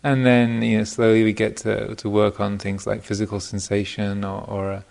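A man with a fairly low voice full of heavy creak gives an informal talk as a meditation teacher. He is thoughtful and hesitant, often pausing in mid-phrase as he works toward his wording. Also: monotone, a little mellow. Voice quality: gravelly, creaky voice. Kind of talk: informal dharma talk to a retreat group. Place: meditation retreat center.

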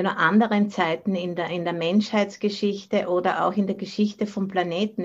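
The audio is dull and band-limited, like a video call. A woman with an Austrian German accent speaks at a medium pitch, teaching in an informal dharma talk. She slips English words in among the German. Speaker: Buddhist nun and meditation teacher. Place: online video call from the monastery.

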